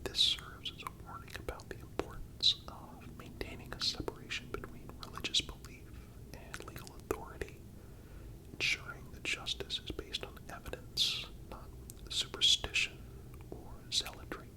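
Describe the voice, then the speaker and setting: Whispered, breathy ASMR narrator. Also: poor audio. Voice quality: breathy unvoiced whisper throughout. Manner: calm, measured, deliberate phrasing. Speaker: narrator and channel host.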